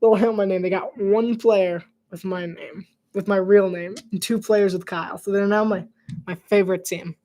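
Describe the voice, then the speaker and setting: A man's voice: high voice, fairly even intonation, normal speed. Chatty play-by-play livestream commentator, male. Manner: chatty, rambling asides, frequent laughs; drops to soft whispered asides. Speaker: live game commentator.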